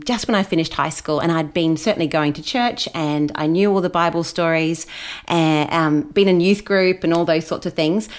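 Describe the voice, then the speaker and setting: A woman from New Zealand, talking as a guest in a casual interview and laughing often. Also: lowish voice. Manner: chatty and laughing.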